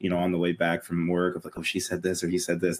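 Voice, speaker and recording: A man's very deep, low voice with an American accent. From US South. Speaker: college student. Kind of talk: panel discussion. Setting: video call.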